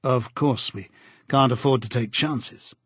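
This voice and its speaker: A man reading aloud, voicing a reserved, wary middle-aged man who speaks in a quiet, guarded way. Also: mid-range voice, a little slow, husky, dry recording.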